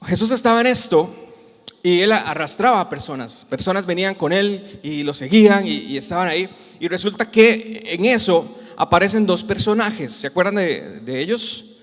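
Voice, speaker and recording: A man with a Costa Rican Spanish accent preaches to a congregation, asking them questions and acting out the cries of the people in his story. His voice sits high for a man. The church hall gives it a long, ringing reverb. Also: animated, moderate pace. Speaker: pastor. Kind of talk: sermon.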